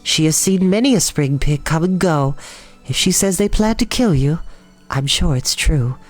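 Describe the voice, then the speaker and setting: A storyteller voicing a calm, brisk, motherly female spider in a storybook, with a sweet tone. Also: mid-range voice, soft background music, voice pushed up, natural voice. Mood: calm, thoughtful. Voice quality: sweet, musical.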